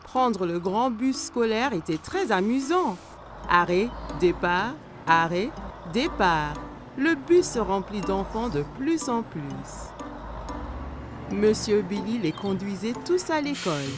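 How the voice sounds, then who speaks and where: A woman narrates a scripted children's cartoon story. Her mid-pitched voice rises and falls in an animated way, with soft music underneath. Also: slow.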